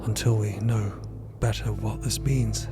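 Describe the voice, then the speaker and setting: A man voicing a grave undead leader in an audio drama, struggling to breathe, with halting, deliberate speech. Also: fairly low pitch, steady tone, loud music behind the voice, natural voice. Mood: grave, weary. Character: faltering undead leader, grave, straining to live. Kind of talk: audio fiction acting.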